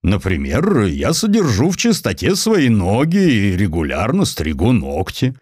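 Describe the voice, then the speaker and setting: A man's voice: fairly low pitch, huge pitch swings, unhurried, a little mellow, husky, heavily acted. A man acting a gloomy, self-mocking aging inventor tycoon with a dry, grumbling manner, in an audio drama. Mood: wry, mocking. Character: Alfred Nobel, wry gloomy aging misanthropic inventor tycoon.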